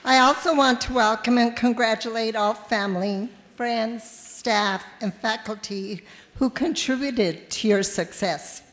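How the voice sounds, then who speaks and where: A woman's voice: on the high side, a little slow, some chatter behind, a little hiss or hum. A woman from an advisory board giving a formal, congratulatory greeting speech. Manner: warm, congratulatory. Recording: long hall reverb.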